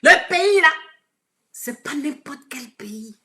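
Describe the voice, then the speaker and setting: A woman with an Ivorian French accent giving an impassioned, preachy live video address, swinging from shouted lines to hushed asides. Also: high voice, animated, slow pace. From Côte d'Ivoire. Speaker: online commentator.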